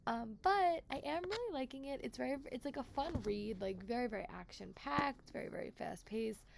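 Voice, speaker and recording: A woman's voice: sits high, animated, normal speed, gravelly, noisy background. A woman book vlogger with a stuffy cold, chatting casually and repeating words with lots of fillers. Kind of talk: casual chat to camera.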